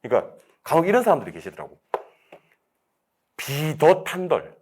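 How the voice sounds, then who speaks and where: A man lecturing a real estate exam class, drilling students with quick questions and answering them himself. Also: medium pitch, big pitch swings, darkish tone, a little hiss or hum. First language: Korean.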